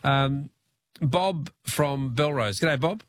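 Affable radio host. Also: male voice, mid-range voice, takes it slowly, no room sound. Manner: affable, laughs often, chatty. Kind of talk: talkback radio chat.

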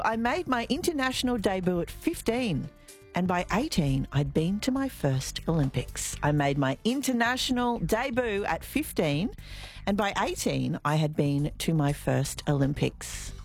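Lively woman hosting radio. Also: fairly low pitch. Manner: chatty, lively, informal asides. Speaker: radio presenter. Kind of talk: live radio hosting, quiz segment. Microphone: studio microphone.

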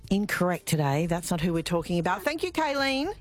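A woman's voice: on the low side, sing-song, fairly quick, faint music behind. Chatty Australian woman radio host. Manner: chatty, laughs often. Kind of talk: talkback radio chat.

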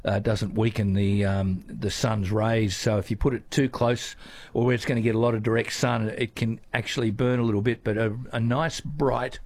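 An older man giving gardening advice on talkback radio, speaking haltingly with many fillers. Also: on the low side, fairly even intonation, a little mellow. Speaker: gardening expert. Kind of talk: casual radio chat. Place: radio studio.

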